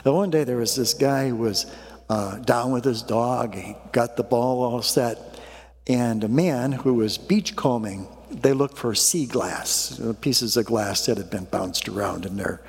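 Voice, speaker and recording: A man preaching a sermon, warming up with a folksy made-up story before turning to the gospel lesson. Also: mid-range voice, a little slow, gravelly, long reverb tail. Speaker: pastor.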